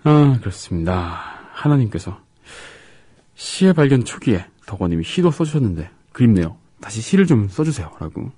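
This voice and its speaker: A man co-hosting a radio show, chatting casually and reading listener comments in a halting, soft-spoken way with gaps between his words. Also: on the low side, big pitch swings, husky, dry recording, clean studio sound.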